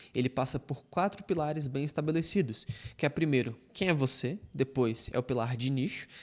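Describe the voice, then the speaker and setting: A man with an ordinary speaking voice, fairly high-pitched, at a moderate pace and with ordinary pitch variation. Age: 20s. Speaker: digital marketing coach. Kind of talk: tutorial. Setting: screen-share recording.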